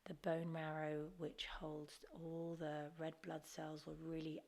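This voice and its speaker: Female yoga instructor, gentle and encouraging, very unhurried delivery, gravelly fry in the voice. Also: low voice, completely flat delivery. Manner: gentle, encouraging, unforced guidance. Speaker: yoga teacher. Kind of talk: guided Kundalini yoga class instruction.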